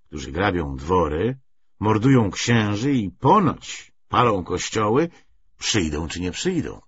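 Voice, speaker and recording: A man reading a literary audiobook in an expressive, measured way with deliberate phrasing. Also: lowish voice, muffled recording, slight background noise. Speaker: audiobook narrator.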